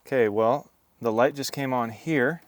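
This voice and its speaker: A man's voice: medium pitch, unhurried, slight background noise. A man vlogging in a casual, chatty way, explaining things informally as he does a hands-on demo. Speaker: vlog host.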